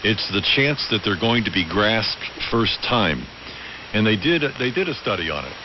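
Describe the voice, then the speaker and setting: A man's voice: on the low side, very animated, normal speed, muffled recording. A man chatting unscripted as an amateur radio operator, musing and discursive, feeling his way through sentences. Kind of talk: unscripted ham radio conversation. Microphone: radio transmitter audio heard over the air. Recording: hissy, band-limited AM radio transmission.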